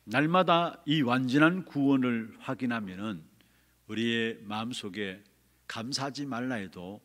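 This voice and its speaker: A male pastor preaching emphatically in a church, pausing for his interpreter. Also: mid-range voice, a bit bright. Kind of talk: sermon with live interpretation. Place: church sanctuary. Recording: long church reverb.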